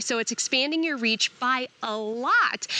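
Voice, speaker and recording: Against noticeable background noise, a woman speaks in an animated tone at a high pitch with ordinary pitch variation. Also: dry, close sound with no echo. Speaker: marketing coach and YouTuber. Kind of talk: tutorial. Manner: fast.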